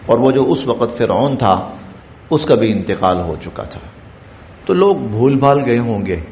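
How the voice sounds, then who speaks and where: Lively, echoey man explaining scripture. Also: mid-range voice. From Pakistan. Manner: chants Arabic phrases, then explains each in Urdu. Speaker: Quran teacher. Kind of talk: Quran translation and commentary lesson. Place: mosque. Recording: echoey mosque room, faint background noise.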